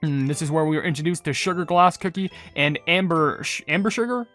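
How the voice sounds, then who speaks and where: A video creator with a mid-pitched voice hosting casual gaming commentary, rambling and often correcting themselves mid-sentence. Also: fairly quick, fairly bright tone. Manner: rambling, filler-heavy, trailing off and correcting self. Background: music.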